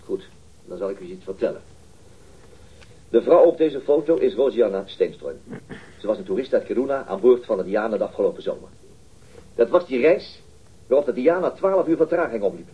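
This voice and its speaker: An actor playing a stern, methodical police interrogator in a radio crime drama, speaking in a formal, curt, commanding way. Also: male voice, medium pitch, breathy edge. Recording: dull, muffled radio drama recording.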